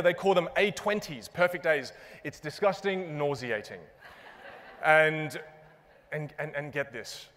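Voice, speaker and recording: Young man, stage keynote speaker, playful self-deprecating delivery, headset mic, reverberant hall. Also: fairly high pitch. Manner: animated, punchline-driven, self-mocking. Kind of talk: comedic keynote speech. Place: large conference stage before a live audience. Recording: long reverb of a big hall.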